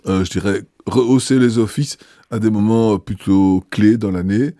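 A man with a low, mellow voice answers interview questions as a bishop. He speaks in a measured, hesitant way, full of fillers and restarts. The recording is dry and close. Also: fairly even intonation, no echo.

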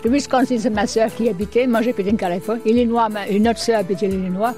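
An older woman from Brittany, a returned emigrant, telling stories as a guest on a radio interview in a lively, chatty way. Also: on the high side, quick pace, soft background music. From Brittany, France. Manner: lively storyteller, chatty and animated.

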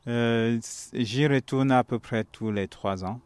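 A man's voice: medium pitch, slow, a little mellow, smooth. A man, a Catholic friar and priest giving reflective, earnest interview answers with frequent hesitations. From Cameroon.

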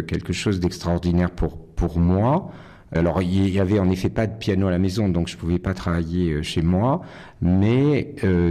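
Low warm-voiced guy from nice, pianist in an interview, pauses a lot, restarts sentences. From Nice, France. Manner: thoughtful, hesitant, many fillers and restarts. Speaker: concert pianist. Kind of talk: interview answers.

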